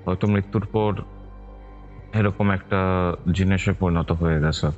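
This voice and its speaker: A man's voice: low voice, steady tone, measured pace, a little mellow. A man listening and asking questions casually as an interviewer, with brief acknowledgements and tentative wording. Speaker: podcast interviewer. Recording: dull lo-fi call recording, music underneath. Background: music.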